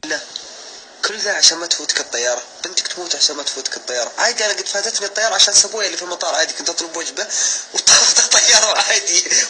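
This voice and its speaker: Guy telling a story super fast, bright sharp voice, swears by god every other line. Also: on the high side, slight background noise, low-quality recording. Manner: emphatic, swears oaths constantly. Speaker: social media storyteller. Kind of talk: casual personal anecdote.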